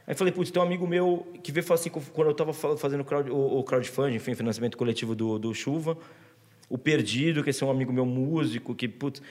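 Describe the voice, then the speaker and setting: A man's voice: mid-range voice, fairly even intonation, quick pace, darkish tone, big-room sound. A man with a Brazilian accent, telling a long story in loose, slangy chat with many restarts. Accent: Brazilian Portuguese. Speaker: guest author. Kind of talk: casual chat.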